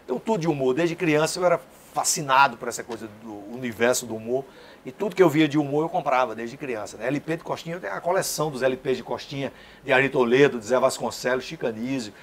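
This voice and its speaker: A man, a comedian, chatting quickly as a guest and laughing along at his own jokes. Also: mid-range voice, a little hiss or hum. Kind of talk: talk show conversation.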